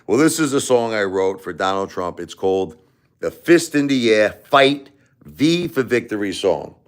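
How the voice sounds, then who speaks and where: A deep-voiced man from the United States chatting loosely on a livestream. He rambles, repeats himself and often restarts his sentences, and he speaks directly to the people watching. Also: big pitch swings, moderate pace, clear, resonant tone. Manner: rambling, repeats and restarts, talks straight to viewers. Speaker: livestream host. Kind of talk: casual livestream chat.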